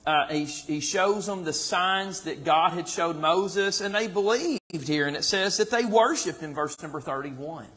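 In a church sanctuary, a man in his thirties with a Southern US accent teaches Bible study in a loose style, with plenty of fillers and restarts, recorded by a distant camera in the pews. His high, somewhat bright voice is unhurried yet barely pauses.

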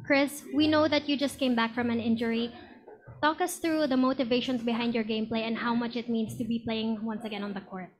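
A woman's voice: on the high side, steady tone, a little fast. A woman moderating a press conference, asking formal interview questions.

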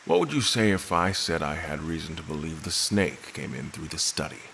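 An actor playing a grave, courteous gentleman admiral in an audio drama, speaking formally and with measured care. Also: very deep voice, lively intonation, vocal fry, slight background noise, full character voice. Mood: grave, careful.

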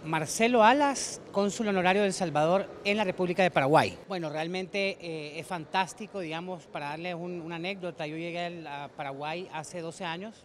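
A man's voice: sits high, moderate pace, few pauses, slight background noise. A man in his thirties, an honorary consul, chatting through an interview and telling an anecdote, in a large conference hall. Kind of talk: interview answers.

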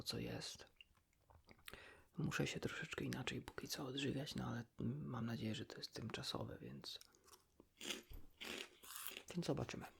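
Whispering man, soft and crackly. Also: medium pitch. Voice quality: breathy, hushed, mostly whispered. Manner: colloquial, rambling, ends phrases with a tag question. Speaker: ASMR creator talking to the listener as a friend. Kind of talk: ASMR, casual confiding chat in whispers and soft speech.

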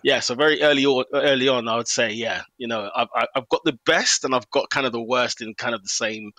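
Fast-talking bright-voiced man in his thirties. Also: mid-range voice, no echo. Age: 30s. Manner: quick, animated storytelling with laughs. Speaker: stadium announcer, guest. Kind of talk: conversational interview.

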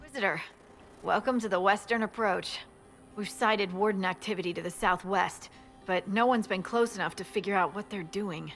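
An actress playing a wry, weary military scout in a fantasy video game, reporting in a brisk, matter-of-fact way. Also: female voice, mid-range voice, a bit bright, soft background music, close to an everyday voice. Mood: dry, concerned.

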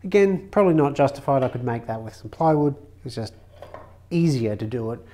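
An Australian woodworking channel host in his thirties, mid-pitched and speaking a little fast, walks through a workshop project in a casual how-to vlog. His manner is relaxed, chatty and practical, with the odd wry, dry aside. A camera mic picks him up from a short distance in his brick-walled home woodworking shop.

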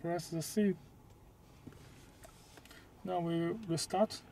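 A man who is not a native English speaker gives a step-by-step hands-on demonstration inside a car, in halting, short, simple phrases. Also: fairly high pitch, fairly even intonation, gravelly, dark tone, slight background noise. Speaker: product demonstrator.

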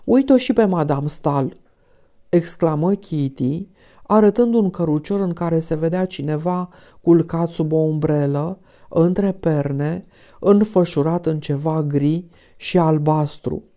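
A woman narrating a classic novel as an audiobook in a calm, even reading. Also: sits low. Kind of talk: scripted narration.

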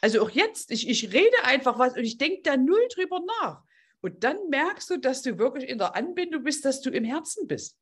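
A woman's voice: high-pitched, very animated, moderate pace, a bit bright, husky. A woman hosting an online group coaching session, talking in an effusive, heartfelt way and addressing participants directly.

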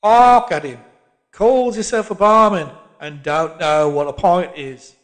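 Man doing loud, slow, gruff old geezer, cantankerous. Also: high-pitched, pitched above the performer's own voice. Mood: grumbling. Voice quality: gruff, pugnacious. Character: grumbling old working-class London man. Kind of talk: audiobook character voice.

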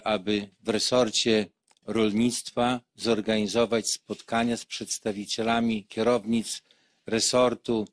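A man in his sixties giving testimony at a hearing, speaking in a slow, halting and deliberate way. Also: medium pitch, no echo. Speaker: witness. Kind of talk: formal testimony.

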